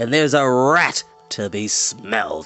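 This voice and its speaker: A growling voice at a low-to-middle pitch moves at a fairly slow pace while faint music plays in the background. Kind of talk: reading a novel aloud. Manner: furious, shouted.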